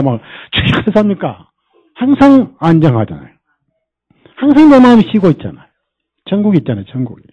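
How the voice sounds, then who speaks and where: A man's voice: sits high, darkish tone, poor audio. A male pastor preaching at a church service, quizzing the congregation with rhetorical questions and mimicking people to make his points. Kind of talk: sermon.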